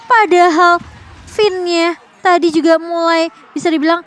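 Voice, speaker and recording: A woman's voice: extremely high pitch, fairly even intonation, unhurried. An Indonesian woman giving conversational live commentary on an esports match.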